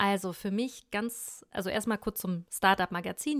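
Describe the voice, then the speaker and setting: An unremarkable speaking voice moves at a moderate pace with fairly even intonation, heard in a very clean, silent recording with a dry, close sound and no echo. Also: woman. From Germany, Ostwestfalen near Bielefeld. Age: 30s. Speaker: TV journalist and presenter. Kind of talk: podcast interview, casual.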